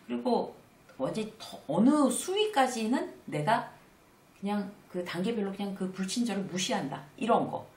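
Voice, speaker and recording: Lively woman lecturer in a roomy space. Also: mid-range voice, moderate pace. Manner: conversational, acts out little dialogues with animated asides. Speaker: workplace lecturer and author. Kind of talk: casual spoken lecture. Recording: roomy, slightly distant mic.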